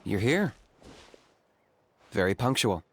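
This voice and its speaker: A man playing a calm, practical young tribal hunter in a video game, with a dry, matter-of-fact delivery. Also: on the low side, slow pace, noisy background, full character voice. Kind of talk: video game character acting. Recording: game music behind the voice.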